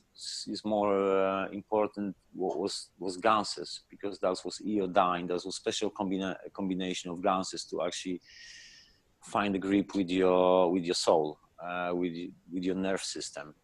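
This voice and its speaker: A man's very deep, low voice with a non-native accent, flat monotone delivery at a moderate pace, in a very clean recording with a silent background. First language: not English. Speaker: experimenter. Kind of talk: technical explanation in group video chat. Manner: halting.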